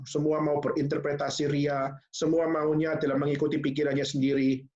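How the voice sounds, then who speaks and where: Guy pastor preaching, lots of rhetorical questions, roomy echo, kinda muffled. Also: fairly high pitch. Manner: preaching with rhetorical questions, addressing listeners as "Saudara"; mixes English phrases into speech. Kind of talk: sermon. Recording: echoey church hall, dull sound.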